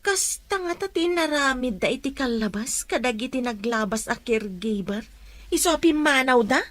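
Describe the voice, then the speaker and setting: A high female voice with a Filipino Ilocano accent, close and dry. An actress plays a concerned older household helper in an audio drama. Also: expressive, moderate pace, dry recording.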